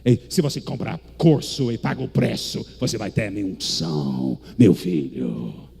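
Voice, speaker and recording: A man's voice: normal speed, creaky, dark tone, breathy edge. A man playing a boastful preacher who hawks his anointing in a pompous, theatrical sermon parody. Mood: hard selling. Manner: pompous, theatrical sales pitch.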